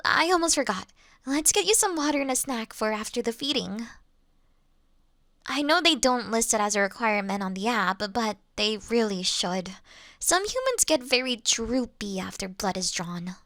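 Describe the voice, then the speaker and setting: A woman playing a polite, reassuring vampire who looks like a child, speaking gently to the listener in an audio roleplay. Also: on the high side, no echo, clean studio sound, exaggerated voice. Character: childlike-looking ancient female vampire, polite, reassuring, mildly wry.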